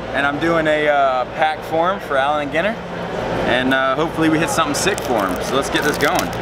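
Over loud background noise, a man talks with ordinary pitch variation. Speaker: card collector vlogger. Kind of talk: casual vlog chat. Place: hall.

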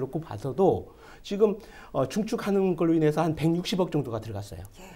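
A man's high-pitched voice with a dark, mellow tone, lively intonation and a fairly quick pace. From South Korea. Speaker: former provincial council member; talk show guest. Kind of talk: TV panel discussion. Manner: hesitant, filler-heavy. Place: studio. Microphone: lapel.

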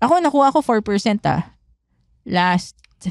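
Against a quiet background, a woman's voice comes through with a dry sound and no echo. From Philippines. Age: 40s. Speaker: career coach. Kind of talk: casual chat. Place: studio. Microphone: studio mic.

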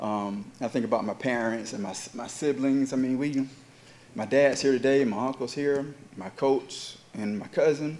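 Ordinary pitch variation accompanies a moderate speaking speed. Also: man, medium pitch for a man. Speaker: financial consultant, award recipient. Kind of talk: onstage interview. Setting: stage with audience. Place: hall. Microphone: handheld.

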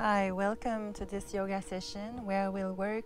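A woman with a Quebec accent speaks at a fairly slow pace in a monotone, flat intonation. The sound is dry with no echo, with light background noise. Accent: French Canadian (Quebec). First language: French. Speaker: yoga teacher. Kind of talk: guided yoga class instruction. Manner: slow, calm. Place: garden.

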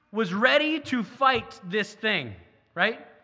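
Against a quiet background, a man with an extremely high pitch and a bright, sharp tone speaks in a raised, projected voice at a very slow pace with ordinary pitch variation. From Saskatchewan, Canada. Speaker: pastor. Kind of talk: sermon. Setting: church. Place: church. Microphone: headset.

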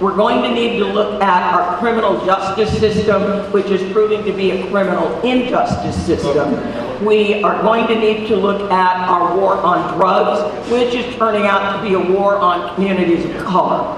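A woman speaks at a moderate pace with hardly any pauses and ordinary pitch variation, in strong room echo with light background noise. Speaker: panel moderator, former congressional candidate. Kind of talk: conference talk and moderation. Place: hall.

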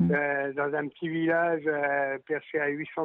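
A man speaks in a fairly high pitch with monotone, flat intonation. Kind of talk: casual chat. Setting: phone call.

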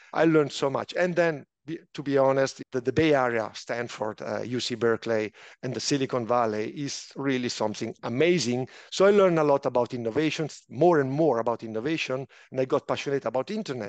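In a dry, close sound with no echo and a quiet background, a man with an Italian accent talks at a fairly quick pace with a medium pitch. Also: ordinary pitch variation. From Italian-speaking Switzerland. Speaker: city finance official. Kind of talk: interview.

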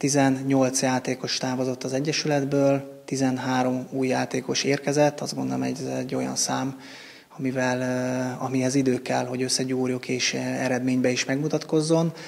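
Noticeable background noise surrounds a man who talks fairly slowly. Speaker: football club manager. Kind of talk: interview.

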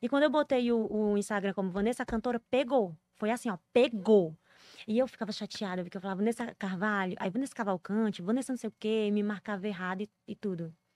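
A woman's fairly high, animated voice at a very fast pace against a quiet background. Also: ordinary pitch variation, dry sound with no echo. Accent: Ceará. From Ceará, Brazil (Chaval); Ceará, Brazil. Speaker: forró singer; interview guest. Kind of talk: casual interview chat. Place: studio. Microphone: studio mic.

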